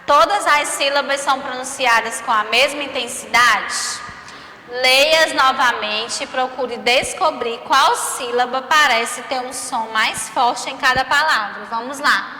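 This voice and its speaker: A primary school teacher from Brazil leads a remote lesson for young kids, her voice sitting high, pushed and bright, at a measured pace. She stretches syllables and asks frequent tag questions in a Brazilian Portuguese accent. The room sound is echoey with long reverb.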